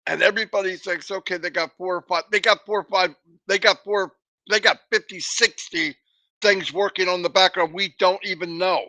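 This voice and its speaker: A man's voice: high-pitched, steady tone, moderate pace, sharp tone, dry recording. A man hosting a motivational livestream, emphatic and repetitive, with a runny nose and a cough. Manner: emphatic, repetitive, preachy pep talk. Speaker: livestream host.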